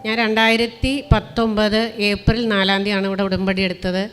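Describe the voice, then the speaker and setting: A middle-aged woman from Kerala giving a spoken personal testimony, telling it plainly and earnestly, with many pauses and restarts. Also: mid-range voice, level tone, fairly bright tone, soft background music. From Kerala, India. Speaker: testimony speaker.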